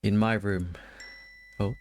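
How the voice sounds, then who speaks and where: Low-pitched man hosting a spooky livestream. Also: fairly even intonation, slow, darkish tone, soft background music. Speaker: livestreamer, host of a spooky game stream. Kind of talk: casual livestream chat and reading visual novel text aloud.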